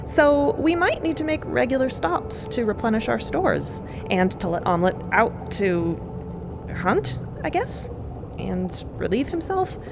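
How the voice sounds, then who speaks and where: A woman playing a timid, apologetic young explorer who speaks politely and haltingly in an audio drama. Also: fairly high pitch, sing-song, gravelly, voice pushed up, heavily acted. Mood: awkward, apologetic. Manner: hesitant, polite. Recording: music bed underneath.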